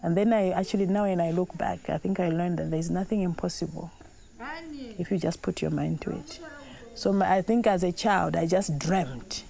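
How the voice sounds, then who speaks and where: A Zambian woman whose first language is Tonga, telling her life story in a reflective, unhurried way with pauses and restarts. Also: lowish voice, creaky, mellow. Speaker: documentary interviewee.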